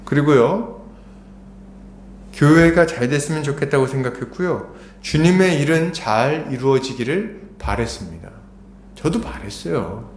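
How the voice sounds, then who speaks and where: High-voiced man preaching in an echoey church. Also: animated, measured pace, a little hiss or hum. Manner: conversational preaching with rhetorical questions; grows urgent and raised in pitch. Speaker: pastor. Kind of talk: sermon. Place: church sanctuary.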